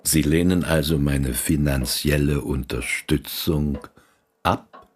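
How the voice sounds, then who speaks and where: An actor playing a condescending, calculating German Catholic priest in a radio play, with a measured, patronising manner. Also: male voice, very deep voice, fairly even intonation. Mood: probing.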